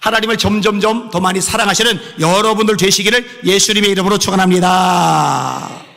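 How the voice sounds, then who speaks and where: Impassioned high-voiced preacher, gravelly. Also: male voice, brisk, long reverb tail. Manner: impassioned preaching with swings between soft pleading and raised exhortation. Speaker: pastor. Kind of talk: sermon.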